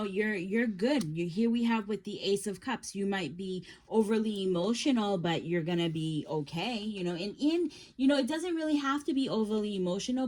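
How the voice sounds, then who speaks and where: A woman giving a casual tarot reading, talking in a gentle, reassuring way and often halting with fillers and restarts. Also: medium pitch. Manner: gentle, reassuring second-person advice. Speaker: tarot reader.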